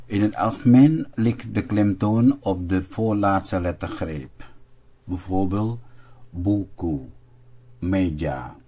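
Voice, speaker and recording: A man's voice: low-pitched, slow, mellow. A man teaching a language lesson, carefully spelling out and repeating words for learners. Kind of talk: slow, deliberate language lesson narration.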